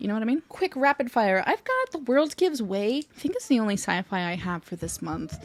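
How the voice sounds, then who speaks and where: A woman speaks at a fairly quick pace in an animated tone. The sound is dry and close, with no echo. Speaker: book youtuber, stay-at-home mom. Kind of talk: casual vlog chat. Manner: fast. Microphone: laptop audio.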